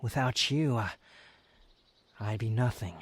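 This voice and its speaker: A man's voice: medium pitch, slow, husky. A man playing a proud, sardonic young wanderer, a guarded yet tender lover, in an intimate romantic ASMR roleplay with a teasing, haughty, dramatic delivery. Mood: vulnerable, earnest.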